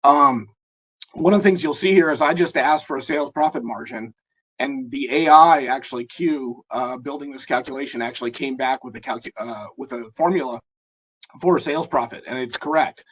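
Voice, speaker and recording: A man with a hoarse, husky voice presenting a live software demo in a webinar, talking in a halting way with many fillers and restarts. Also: medium pitch, low-quality recording. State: hoarse, losing his voice.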